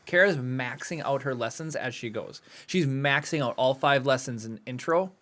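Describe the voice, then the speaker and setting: A man co-hosting a podcast in casual, animated chat, laughing often as he talks. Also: mid-range voice, moderate pace. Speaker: podcast co-host. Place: home studio podcast set.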